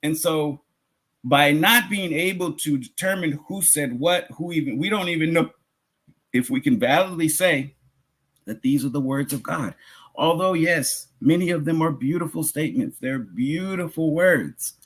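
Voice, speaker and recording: A man's voice: on the high side, moderate pace, fairly bright tone, breathy edge. A man giving a religious lecture as a Muslim preacher and teacher, explaining point by point and repeating phrases for emphasis.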